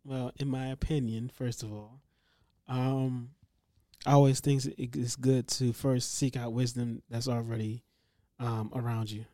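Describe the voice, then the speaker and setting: A man co-hosting a casual discussion, halting and searching for words as he answers. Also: mid-range voice, level tone, warm tone, dry recording, studio quality.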